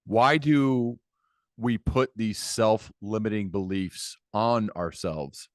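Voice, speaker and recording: A man's voice: fairly low pitch, slow pace, no room sound, clean studio sound. A man hosting a conversational interview podcast, thinking aloud enthusiastically with emphatic repetition. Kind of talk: conversational long-form interview.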